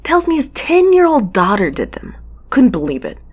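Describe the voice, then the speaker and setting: A woman's voice: sits high, wildly swooping pitch, normal speed, full character voice. A woman playing a casual, wry young space courier who rambles informally in an audio drama. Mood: chatty. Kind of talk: naturalistic audio drama acting, logging aloud.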